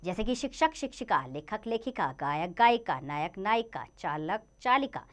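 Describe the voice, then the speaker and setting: A woman's voice: mid-range voice, big pitch swings, normal speed. Sing-song woman teaching grammar to children. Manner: reads word lists in a sing-song, rising and falling lilt; addresses children directly. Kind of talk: Hindi grammar lesson narration.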